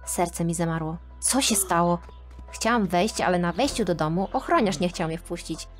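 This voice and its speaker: Woman narrating a dramatic animated story. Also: lowish voice, normal speed. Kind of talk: scripted first-person narration of an animated story. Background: faint background music.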